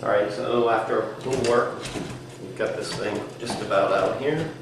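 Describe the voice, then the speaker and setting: A man's voice: lowish voice, normal speed. A middle-aged man giving a casual, hands-on DIY tutorial, informal and a little hesitant as he thinks aloud. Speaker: DIY home improvement demonstrator. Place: indoors in a house. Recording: echoey room with background noise.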